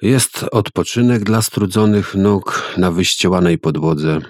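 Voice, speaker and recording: A man reading a story aloud and voicing a calm, dreamy old farmer who speaks slowly and solemnly. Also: sits low, no echo, studio quality.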